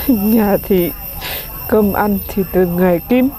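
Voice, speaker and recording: A tearful woman who collects waste for a living, speaking slowly, haltingly and humbly. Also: mid-range voice, dark tone, a little hiss or hum. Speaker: aid recipient, a poor waste-collecting mother. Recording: light background music.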